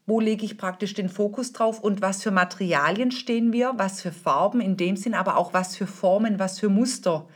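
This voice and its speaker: A woman's voice: medium pitch, moderate pace, few pauses. A middle-aged woman hosting a podcast as a style consultant, explaining in a chatty, informal way with many fillers and restarts. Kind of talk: casual explanatory podcast talk.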